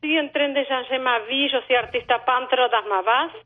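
Argentine-accented woman caller, fifties, high-pitched and halting, heard over a telephone. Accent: Argentine Spanish. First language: Spanish. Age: 50s. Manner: hesitant, many fillers, tag questions "non?". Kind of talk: phone-in conversation. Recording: tinny phone line.

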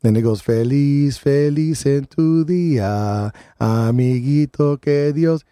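Male morning show host, mellow, dry close sound, rambling casual chat. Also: medium pitch, slow pace, dry recording. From Puerto Rico.

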